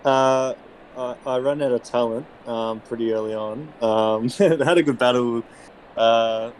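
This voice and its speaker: A man's voice: medium pitch, measured pace, slight background noise, low-quality recording. A man recapping his race in a rambling, self-deprecating way, often laughing. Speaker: racing driver being interviewed. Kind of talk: casual post-race recap.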